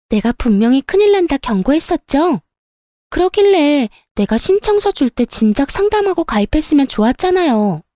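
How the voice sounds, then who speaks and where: A woman's voice: high voice, mellow, no echo, studio quality, pitched above the performer's own voice. A woman voicing a smug, pushy young woman who sells insurance, with a gloating, sing-song manner.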